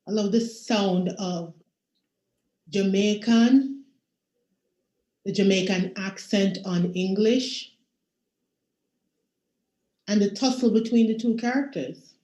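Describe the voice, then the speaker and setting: A woman moderating a panel on a video call, mid-pitched and reflective with emphatic turns. Her voice carries a noticeable room echo. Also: slow pace, pauses often, warm tone. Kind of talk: panel discussion.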